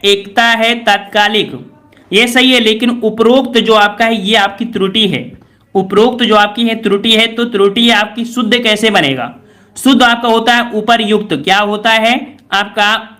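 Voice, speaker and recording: A man's voice: high-pitched, pushed and bright. A man teaching Hindi grammar in an online exam class, often repeating each answer back as a question. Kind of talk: online class going over a model paper.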